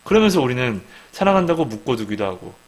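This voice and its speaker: A man's voice: medium pitch, big pitch swings, fast talker, rough recording. A man giving an informal sermon, often asking the listeners questions and acting out quoted speech. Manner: asks the listeners questions and acts out quoted dialogue. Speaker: Christian speaker giving a devotional talk.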